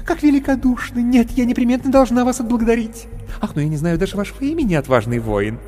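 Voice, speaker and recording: A man voicing an effusive young woman clown in an audiobook, in a breathless, gushing falsetto. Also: animated, fast talker, mellow. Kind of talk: audiobook character voice. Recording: reverberant, with faint music.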